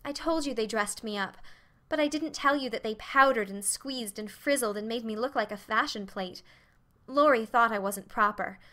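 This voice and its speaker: A woman's voice: fairly high pitch, moderate pace, a bit bright, natural voice. A woman voicing a bashful, earnest teenage girl confessing to her mother in a storybook reading.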